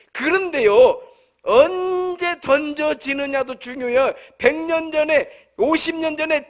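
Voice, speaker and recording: A male pastor with a Jeolla accent, delivering a humorous, conversational sermon full of rhetorical questions at a church service. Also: very high voice. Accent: Jeolla Korean.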